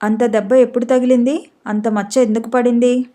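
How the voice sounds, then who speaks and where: A woman's voice: a little high, little pitch movement, fairly quick, mellow, lightly acted. A woman reading the part of a tearful, heartbroken young married woman in a pleading way, in an audiobook story.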